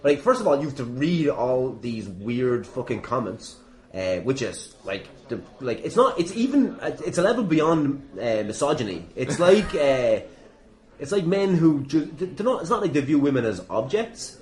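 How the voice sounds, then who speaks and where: A man's voice: medium pitch, big pitch swings, moderate pace, darkish tone. An Irish man hosting a podcast in casual conversation, emphatic and swearing freely, recorded in an echoey room. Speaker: podcast host.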